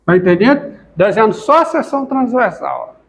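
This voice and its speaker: High-voiced man teaching calculus. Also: sing-song, moderate pace, vocal fry, a bit bright. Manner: repeats questions to the class, talks while writing. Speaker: math lecturer. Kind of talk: calculus lecture at a board.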